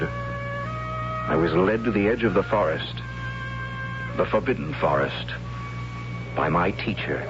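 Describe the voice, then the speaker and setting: An anxious young tribal warrior telling his tale in a 1970s radio drama. The voice is fairly low, theatrical and measured, with hesitant asides. It comes through a dull old broadcast recording with very prominent music. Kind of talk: 1970s radio drama acting, first-person storytelling.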